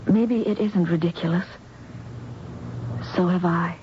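A woman's voice: on the low side, fairly even intonation, a little slow, lightly acted. An actress playing a shaken but determined heroine in a 1970s radio drama, emotional in her delivery. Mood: earnest, tender. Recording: muffled noisy old radio recording.

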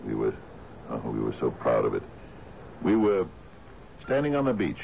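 A man's voice: extremely low pitch, wildly swooping pitch, normal speed, gravelly, a little mellow, heavily acted. An actor playing a lordly, exuberant old sea captain in a radio drama, hearty and musing, repeating his phrases. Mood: wistful musing. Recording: dull, hissy old radio broadcast recording.

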